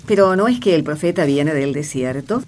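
An actress playing a curious, questioning peasant wife in a radio play, with an Argentine accent. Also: female voice, low-pitched, animated, moderate pace, darkish tone, a little hiss or hum. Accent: Argentine Spanish.

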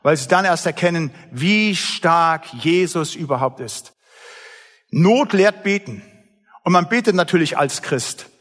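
Emphatic high-voiced man preaching in a hall. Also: animated, a little slow, a bit bright. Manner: emphatic, blunt preaching with colloquial asides. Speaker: pastor. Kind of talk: sermon.

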